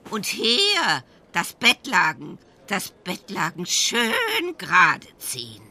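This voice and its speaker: A woman's voice: medium pitch, wildly swooping pitch, extremely slow, sharp tone, in a large hall, heavily acted. An actress playing a fussy, commanding elderly woman in a care home, giving orders in a radio play. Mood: bossy. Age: older.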